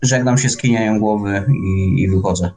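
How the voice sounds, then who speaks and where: A man casually role-playing in a tabletop game, describing his actions in a halting way. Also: on the low side, darkish tone.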